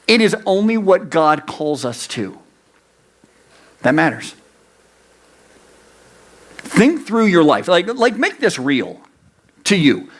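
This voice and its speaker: A young man preaching a youth sermon, animated, acting out the inner voices of his listeners. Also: high-pitched, slow, pauses often. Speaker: youth pastor.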